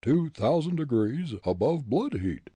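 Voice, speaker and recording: A deep, hoarse voice that drags each word out slowly and mockingly, as a dead smuggler's head, put on by a male reader. It sounds husky and dark, recorded close and dry. A spooky storybook creature. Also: very animated, dry recording. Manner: slow, mocking.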